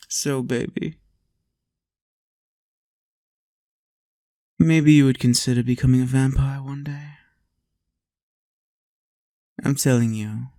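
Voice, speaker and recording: A lonely vampire lord, acted by a man speaks in an intimate, soothing monologue. His pace is very unhurried and his tone coaxing and playful, recorded close and dry. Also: medium pitch, warm tone, no room sound, lightly acted. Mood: coaxing, tender. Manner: soothing, unhurried, lapses into whispers and chuckles. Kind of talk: intimate roleplay monologue to the listener.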